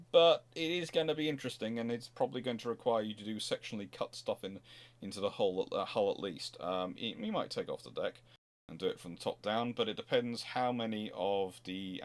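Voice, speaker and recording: A man hosting an unscripted history talk, answering questions in a rambling, halting way as he thinks aloud. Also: lowish voice, lively intonation. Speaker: host answering audience questions.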